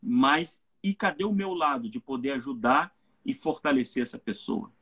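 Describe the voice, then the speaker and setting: A Brazilian pastor gives an earnest live talk in church, his medium-pitched voice lively in intonation and moving at a moderate pace. The tone is sharp and slightly rough, and he keeps checking in with his listeners with "né?" and "entende?".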